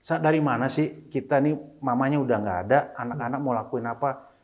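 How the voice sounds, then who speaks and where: A middle-aged man speaking as an interview guest, a single father, talking casually and mixing in English phrases, animated when he quotes his children. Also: medium pitch, brisk.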